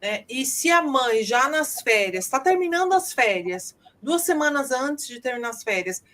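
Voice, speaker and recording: Thoughtful woman co-host, a bit high. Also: big pitch swings, moderate pace, fairly bright tone. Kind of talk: casual podcast chat.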